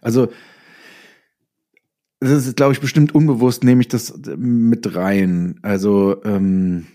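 A man's voice: fairly low pitch, fairly even intonation, takes it slowly, warm tone. A man explaining his craft as a writer in a casual interview, using worked examples. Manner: explains with hypothetical examples and acted-out quotes. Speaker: interviewed writer and audio drama maker.

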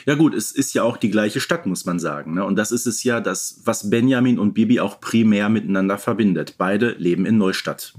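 A man's voice: fairly low pitch, brisk, hardly any pauses. A man in a casual, informed podcast discussion, explaining things with emphasis. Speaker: podcast co-host.

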